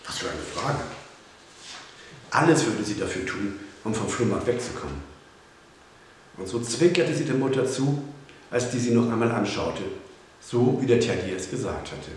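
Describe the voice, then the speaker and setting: A man with a lowish voice reads a children's storybook aloud, calm and measured. The room is echoey, with a faint hiss underneath.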